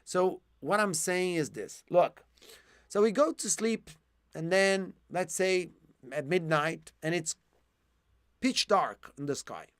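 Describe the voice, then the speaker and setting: A male English teacher explaining vocabulary slowly over a video call, with plenty of ums and restarts. His voice sits a little high and sounds dry and close, and he is starting to lose it. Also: no echo. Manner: patient explaining, with frequent fillers and restarts. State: losing his voice. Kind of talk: live online one-to-one English lesson.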